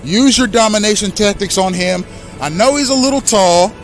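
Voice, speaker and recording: Speaking directly to his audience, a high-voiced host in his thirties, a native English speaker, delivers an impassioned, accusatory monologue, leaning on slow, deliberate emphasis. Soft music plays in the background.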